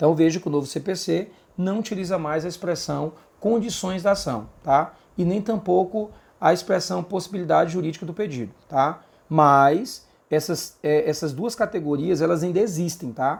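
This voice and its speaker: This man's voice is high in pitch with ordinary pitch variation. The recording is very clean, with a silent background. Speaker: law professor. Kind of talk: recorded lecture. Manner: fast.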